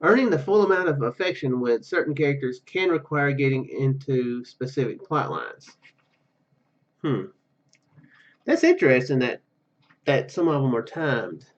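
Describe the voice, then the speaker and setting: A man hosting a gaming video, commenting casually and reading game text aloud in a halting, rambling way. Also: medium pitch, lively intonation, muffled recording.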